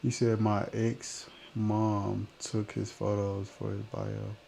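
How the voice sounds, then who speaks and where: Speaking slowly with vocal fry, this Memphis man in his twenties keeps a fairly low, warm, monotone voice while going through viewer comments on his live stream. He's slangy and relaxed, often letting sentences trail off, and there's a faint hiss or hum.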